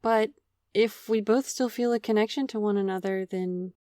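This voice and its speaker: A woman's voice: mid-range voice, steady tone, normal speed, mellow, no room sound, clean studio sound, close to an everyday voice. A woman playing a contrite but hopeful city official in an audio drama, formal and apologetic in manner. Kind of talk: audio fiction acting.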